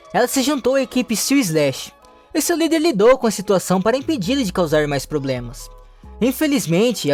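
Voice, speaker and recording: Lively recap narrator, faint music. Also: medium pitch. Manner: steady reading with small restarts. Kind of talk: recap narration, read aloud.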